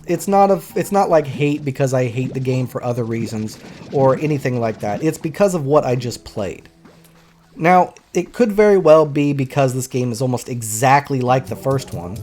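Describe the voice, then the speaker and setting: A man with a stuffy cold, narrating a sarcastic, apologetic video game review over soft background music. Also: medium pitch.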